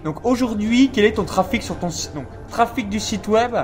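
A man hosting a casual business interview at a seminar, explaining and coaching listeners in a brisk way. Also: high voice, faint music behind. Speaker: YouTube interviewer and host. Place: seminar venue.

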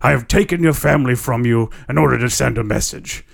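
A man voicing an ancient sinister spirit with a rasping, slow, menacing voice. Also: mid-range voice. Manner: slow, grave, menacing delivery.

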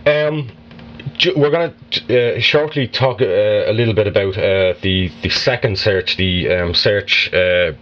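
A man hosting an interview, asking questions in a halting way full of fillers and restarts. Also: fairly low pitch, a bit bright, lo-fi sound. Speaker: podcast host.

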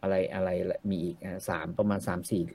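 A man's voice: deep voice, level tone, a little fast, warm tone, no room sound. A middle-aged man in casual chat about novels and cartoons, blunt and salty, with coarse slang.

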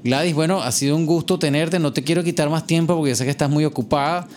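A man's voice: a little high, fast, darkish tone, slight background noise. A man hosting a radio interview, hesitant, with many restarts. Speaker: host.

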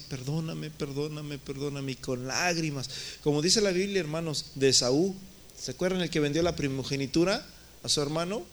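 In an American church, a man preaching as pastor calls the congregation brothers and swings his voice up and down to stress his points. He has a higher, slightly bright voice.

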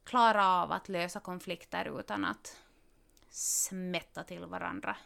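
A woman, a parent expecting her fourth child, chatting casually and telling stories with quick, animated asides. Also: on the low side, vocal fry. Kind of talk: casual podcast conversation.

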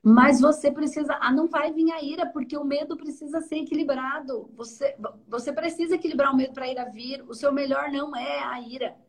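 This woman, an energy therapist with a Brazilian accent, talks fairly quickly in a high-pitched voice with hardly any pauses. In a casual mentoring conversation with a student, she explains things animatedly and repeatedly makes sure she is understood.

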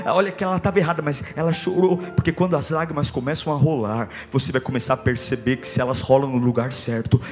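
A man preaching a sermon, emphatic and repetitive, dropping to a hush and then rising to force. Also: a little high. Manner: emphatic and repetitive, swinging between hushed and forceful. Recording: long hall reverb with soft music behind.

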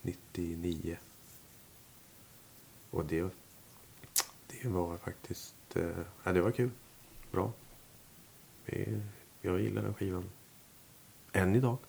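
A man's voice: low voice, flat delivery, creaky, long pauses, darkish tone, a little hiss or hum. A man, a musician, talking casually in an interview, rambling with many fillers and restarts. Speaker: musician guest. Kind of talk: relaxed interview talk.

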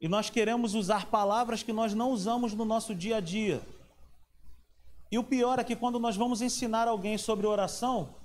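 High-voiced man preaching. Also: steady tone, moderate pace. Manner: conversational, asks the audience questions. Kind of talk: sermon.

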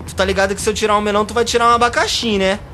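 A man's voice: sits high, flat delivery, racing, pushed and bright, a little hiss or hum. A man playing a brash, crude, obnoxious young partygoer in a radio comedy, slangy and swaggering. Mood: cocky. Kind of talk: comedic radio drama acting.

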